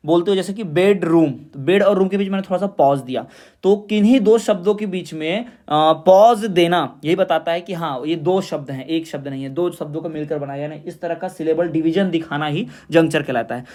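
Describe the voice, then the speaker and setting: A man with a high voice teaching an exam revision class. He asks the students questions and answers them himself. He slows right down to read definitions word by word. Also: a little mellow. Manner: explains in Hindi, reads definitions slowly in English.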